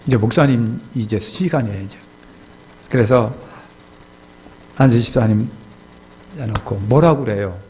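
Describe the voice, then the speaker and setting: A man preaching a sermon in a church, telling anecdotes and acting out his congregants' distressed pleas in high crying voices. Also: moderate pace, pauses often, darkish tone, slight background noise, poor audio. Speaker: pastor. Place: church sanctuary.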